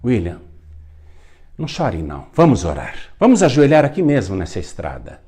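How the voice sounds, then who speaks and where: A man voicing a devout old country man who gives slow, emphatic, fatherly exhortations. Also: fairly low pitch, wildly swooping pitch, mellow, husky, heavily acted. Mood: exhorting.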